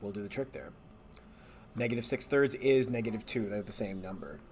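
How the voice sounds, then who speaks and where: A man, a math teacher, relaxed and thinking aloud as he walks through homework problems and corrects himself along the way. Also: on the low side, fairly quick, husky. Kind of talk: homework walkthrough screencast.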